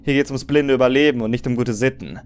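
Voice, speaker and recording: A man's voice: medium pitch, fast, a little mellow, smooth, natural voice. A man playing a jaded but comradely veteran soldier in an audio drama, blunt and resigned.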